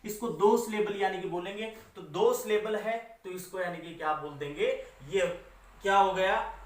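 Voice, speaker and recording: Teacher talking through repeated questions, echoey room. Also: male voice, sits high, a bit bright, far from the mic. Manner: asks himself questions and answers them, repeats points; says "that is to say" after nearly every phrase. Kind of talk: classroom lecture explaining poetry. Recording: echoey room, voice away from the mic.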